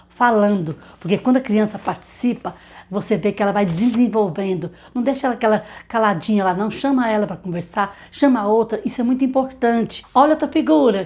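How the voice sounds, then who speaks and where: A woman teaching a literacy lesson for teachers, often acting out phonics questions to children in an animated voice. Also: mid-range voice.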